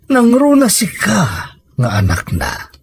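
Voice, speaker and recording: Man acting a slow, solemn, protective uncle. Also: sits high, wildly swooping pitch, husky, heavily acted. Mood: grave, reassuring. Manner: solemn, measured, reassuring. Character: grave, protective uncle guarding a family secret. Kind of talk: emotional audio drama acting. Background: background music.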